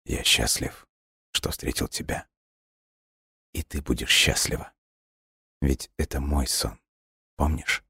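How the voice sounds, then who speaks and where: A man voicing a gentle, dying ghost boy who speaks softly and wearily in a hushed, breathy voice. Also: very deep voice, steady tone, normal speed, dry recording, studio quality. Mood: tender, hushed.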